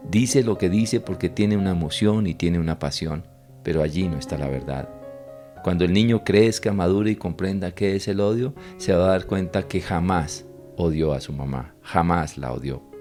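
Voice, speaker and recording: A man's voice: deep voice, moderate pace, dark tone, soft background music. A man preaching a Good Friday sermon in a fervent, repetitive way, at times speaking in Jesus' voice.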